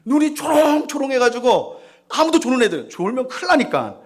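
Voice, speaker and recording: A man in his forties preaching a sermon in a church, telling a personal story with animated delivery and acted-out shouts. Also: extremely high pitch, a little fast. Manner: animated storytelling, acts out shouts and quoted voices. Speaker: pastor. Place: church sanctuary.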